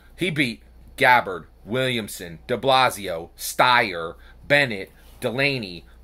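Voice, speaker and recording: Speaking at a very slow pace, a man talks. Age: 40s. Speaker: political commentary youtuber. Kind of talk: solo video commentary. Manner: animated. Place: home room. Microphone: lapel.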